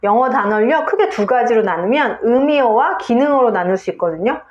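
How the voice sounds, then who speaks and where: A woman's voice: fairly high pitch, lively intonation, fairly quick, roomy sound, dull audio. A woman English teacher giving a video lesson on pronunciation, explaining step by step and saying example words aloud.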